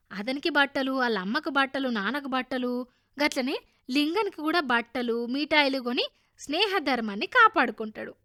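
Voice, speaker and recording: A woman with a Telangana accent narrating a children's story on radio in a lively, homely dialect. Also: high-pitched, no room sound, studio quality. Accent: Telangana Telugu.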